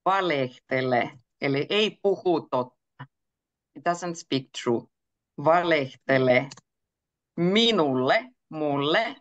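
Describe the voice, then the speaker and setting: A woman's voice: low-pitched, no echo, dull audio. A woman teaching a beginner Finnish class over a video call, patiently switching between Finnish and English and laughing often. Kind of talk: online language lesson.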